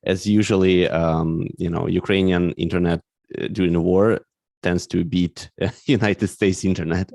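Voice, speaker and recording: Low, gravelly man hosting casually. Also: steady tone, normal speed, a little mellow, no echo, clean studio sound. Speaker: podcast host. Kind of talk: casual interview chat. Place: remote online call.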